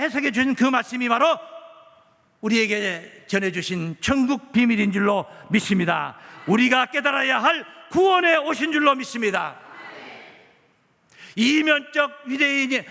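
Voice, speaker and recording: A high-pitched man delivers a sermon with a forceful, bright edge. He preaches emphatically, firing rhetorical questions at the congregation. His voice rings with long reverb in a church hall. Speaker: pastor. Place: church sanctuary.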